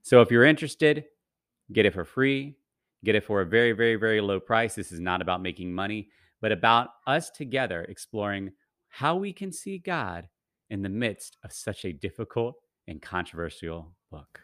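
A man's voice: fairly low pitch, expressive, normal speed, fairly bright tone, dry recording, studio quality. A podcast host, a man, reading a friendly and persuasive promotional announcement.

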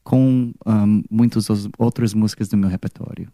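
A young man from California with an American accent, a musician answering interview questions in a second language, pausing and searching for words and slipping into English. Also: fairly low pitch, steady tone, warm tone, no echo, clean studio sound. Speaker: musician guest. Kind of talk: casual interview.

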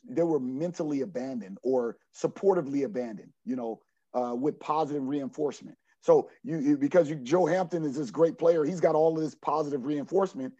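A man in his forties with a dark, mellow voice talks earnestly as a coach on a podcast. He restarts and repeats words while he gathers his thoughts. The audio is dry and a little muffled. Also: mid-range voice, no room sound. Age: 40s. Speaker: junior college basketball coach. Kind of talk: podcast interview answer.

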